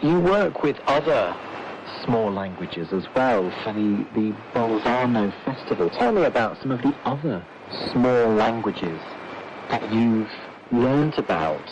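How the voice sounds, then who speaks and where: A man's voice: mid-range voice, lively intonation, a little slow, background noise. A man presenting and interviewing on a news magazine programme, heard over a muffled shortwave radio broadcast.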